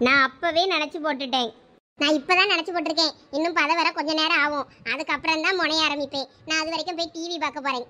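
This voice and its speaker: Brief: woman playing a back-talking cartoon daughter, Thoothukudi Tamil accent, high and bright. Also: steady tone, fast. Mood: cheeky. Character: cheeky young village daughter, boastful.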